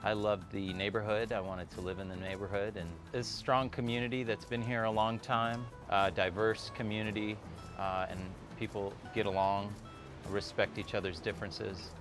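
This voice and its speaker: A middle-aged man from Iraq, a small business owner, speaking reflectively in a documentary interview with many pauses and fillers. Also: on the low side, level tone. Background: background music.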